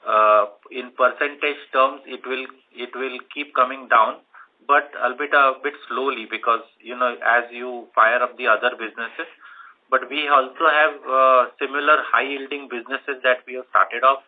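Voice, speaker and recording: A man with an Indian accent speaking as a company executive, giving unscripted, halting explanations on an earnings call, often saying "you know". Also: mid-range voice, fairly even intonation. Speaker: company executive answering analysts. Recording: muffled narrowband phone conference line.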